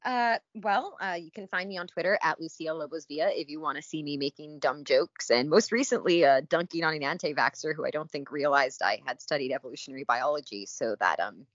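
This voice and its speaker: A woman's voice: low voice, brisk, few pauses, no echo, highs cut off. A chatty woman guest on a podcast who laughs often, in casual chat.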